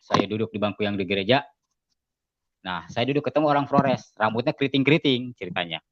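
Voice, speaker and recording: A man giving a casual spoken testimony as an interview guest, telling his story in an animated way and acting out the lines of other people. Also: a little fast, no room sound. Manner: animated storytelling, acting out quoted dialogue with raised pitch. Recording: dull, slightly lo-fi dry sound.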